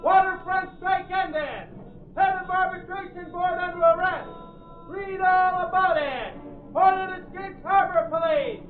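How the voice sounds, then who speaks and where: An actor playing a newsboy calling out headlines in a sing-song street cry in a 1930s radio drama. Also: male voice, very high voice, fairly even intonation, measured pace, long pauses, a little hiss or hum. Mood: hawking. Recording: tinny old radio recording with music.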